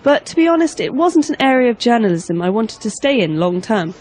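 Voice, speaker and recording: A woman's voice: a little high, big pitch swings, fairly quick, darkish tone, a faint crowd. A woman playing a young job candidate in a scripted dialogue, speaking earnestly about her past job.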